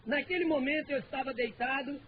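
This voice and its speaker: A man's voice: very high voice, a little fast. A man with a Brazilian accent giving an earnest church testimony, repeating phrases for emphasis. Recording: dull lo-fi recording with faint noise.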